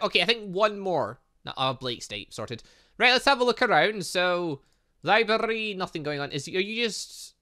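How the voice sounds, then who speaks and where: A man's voice: sits high, pushed and bright. A man chatting his way through a visual novel, thinking aloud and reading game text with playful little sound effects. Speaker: gaming YouTuber.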